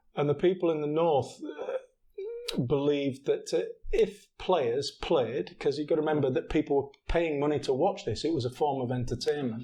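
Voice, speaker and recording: Speaking with a northern English accent, a man talks at a moderate pace. His voice is fairly high, with ordinary pitch variation. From northern England, near Leeds. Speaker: former rugby league player. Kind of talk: podcast interview. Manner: hesitant, many fillers and repetitions.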